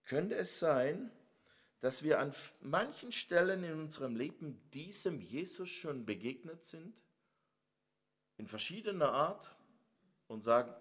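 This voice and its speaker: A man's voice: a little high, sing-song, a little slow. A middle-aged man from the northern Black Forest with a Swabian accent, preaching a sermon. He speaks emphatically and asks his listeners rhetorical questions. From Germany, northern Black Forest.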